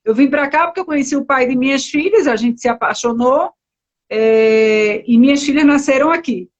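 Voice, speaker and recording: At normal speed and with a high-sitting voice, a Recife-born woman with a Pernambuco accent speaks over lo-fi sound. She is an entrepreneur interviewed as a guest on a relaxed live stream, rambling, chatty, and full of fillers and self-corrections.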